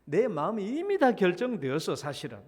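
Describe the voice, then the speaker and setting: Korean pastor preaching in a reverberant church. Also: male voice, high voice, huge pitch swings, a little fast, darkish tone, breathy edge. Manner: storytelling, acts out his child's pleading and his own feigned reluctance. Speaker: senior pastor. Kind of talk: sermon. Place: church sanctuary.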